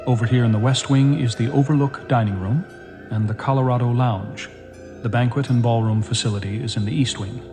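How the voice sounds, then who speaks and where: A man voicing a fussy, scholarly male hotel manager who lists rooms in a precise, deliberate way. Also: mid-range voice, fairly even intonation, pitched below the performer's own voice, close to an everyday voice. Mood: pompous. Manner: precise, deliberate tour-guide delivery. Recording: music playing under the voice.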